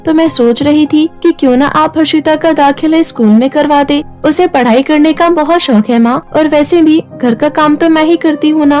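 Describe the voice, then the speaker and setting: A woman voicing a gentle, hardworking young woman in a cartoon story, earnest and soft-spoken. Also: sits high, close to an everyday voice.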